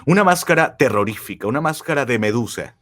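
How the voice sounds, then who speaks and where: Lively, emphatic male speaking coach. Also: a little fast. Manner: emphatic, with wide swings of pitch and loudness; asks the audience rhetorical questions. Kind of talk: motivational lecture.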